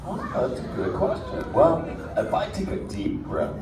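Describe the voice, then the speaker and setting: A man's voice: mid-range voice, huge pitch swings, measured pace. Guy doing a chill surfer dude sea turtle, totally stoked, echoey far-off mic with background noise. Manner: surfer-dude drawl, says dude and man constantly. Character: laid-back male surfer sea turtle, 150 years old. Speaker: live show performer talking with an audience. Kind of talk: live interactive theme show. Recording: roomy, distant mic, ambient noise.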